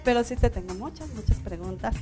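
A woman in her thirties from Mexico hosting a studio interview, chatty and quick to laugh. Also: on the high side, expressive, music in the background. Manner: laughs often, warm and chatty. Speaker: talk show host. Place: small TV studio.

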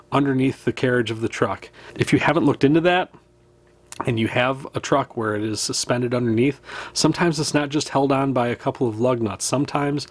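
A man in his thirties talks straight to the camera in a small indoor room, explaining what to pack for a fishing trip. His voice sits at an ordinary middle pitch, and his delivery is relaxed and practical, with small chuckles here and there. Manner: easygoing, practical, with small laughs. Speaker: fishing channel host. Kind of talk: casual to-camera gear talk. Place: indoors, small room with wood-panel wall.

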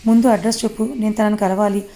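A woman's voice: medium pitch, flat delivery, fast talker, warm tone, lightly acted. A woman voicing a lovesick young man who insists and defends the girl he cares for.

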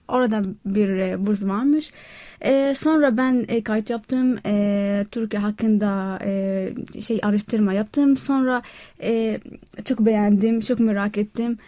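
A 22-year-old woman with a Palestinian Arabic accent, giving interview answers in halting, broken non-native Turkish. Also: mid-range voice, warm tone, no echo. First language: not Turkish. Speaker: student guest.

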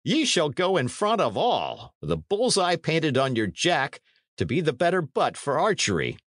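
A man's voice: fairly high pitch, huge pitch swings, normal speed, a bit bright, no echo, studio quality, voice pushed up, exaggerated voice. A man playing a boisterous, jeering old-time knight. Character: blustering mocking middle-aged knight.

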